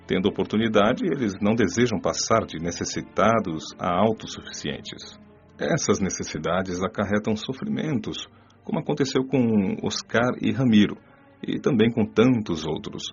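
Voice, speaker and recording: Brief: male actor as a wise spirit guide, lower voice, calm lecturing tone, muffled recording with faint music. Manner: measured, solemn lecturing. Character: wise male spirit mentor giving a moral lesson. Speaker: mentor character. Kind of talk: radio drama reading. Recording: dull lo-fi audio with soft music.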